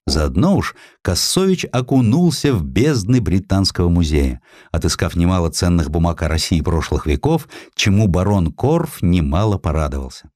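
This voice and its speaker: A man reading a historical literary sketch in an expressive storytelling manner. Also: sits low, moderate pace, hardly any pauses, dry recording, studio quality. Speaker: audiobook narrator.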